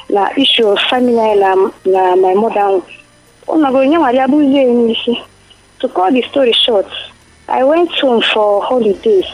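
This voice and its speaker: A Nigerian woman with an Igbo accent speaks as a caller on a telephone line. Her voice is fairly high as she gives a personal account, and faint music plays behind the call. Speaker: phone-in caller.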